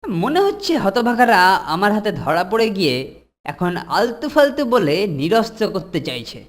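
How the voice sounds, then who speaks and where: A woman's voice: mid-range voice, sing-song, normal speed, close to an everyday voice. A woman voicing a scheming, bossy, boastful schoolboy in a children's cartoon, with exclamatory, exaggerated delivery. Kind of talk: Bengali children's cartoon dubbing. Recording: music behind the voice.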